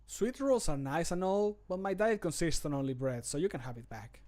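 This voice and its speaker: A man voicing a polite but dismissive video game character, measured, starting sing-song and falling away. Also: a little high, expressive, a little mellow, lightly acted. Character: game character politely turning down a sweet roll. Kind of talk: video game voice line acting.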